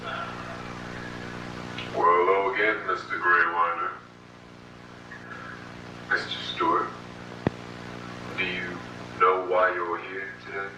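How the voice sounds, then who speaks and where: A man's voice: low voice, flat delivery, takes it slowly, long pauses, muffled recording. An actor playing a polite, unsettling man questioning someone formally in a horror short, in an echoey, distant, noisy recording. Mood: calm, ominous. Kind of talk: slow scripted horror short dialogue.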